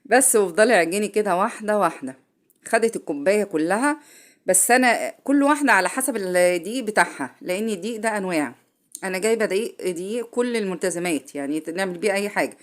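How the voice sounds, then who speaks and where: A woman's voice: medium pitch, lively intonation, fast. Egyptian woman with a cold, home cook, casual and chatty, self-correcting in the kitchen. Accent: Egyptian Arabic. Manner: chatty, speaks straight to viewers, corrects herself midway. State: has a cold. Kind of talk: casual cooking tutorial.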